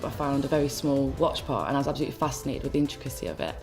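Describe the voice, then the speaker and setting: A woman who makes jewellery from watch parts, speaking with animated enthusiasm in a TV interview. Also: very deep voice, rapid-fire, gravelly, soft background music. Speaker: jewellery maker.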